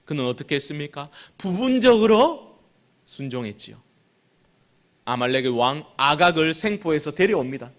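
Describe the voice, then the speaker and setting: Male pastor with a fairly high voice, preaching with dramatic loud-soft swings and slowed emphasis. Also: very animated. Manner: dramatic delivery, swinging loud and soft, slowing on key words; acts out Bible quotes in changed voices. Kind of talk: Sunday sermon.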